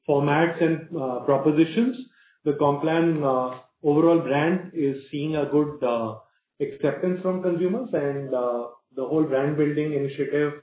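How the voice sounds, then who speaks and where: A man answering questions as a company executive in a halting, measured corporate manner. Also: fairly high pitch. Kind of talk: earnings call answers. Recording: roomy, band-limited conference phone line.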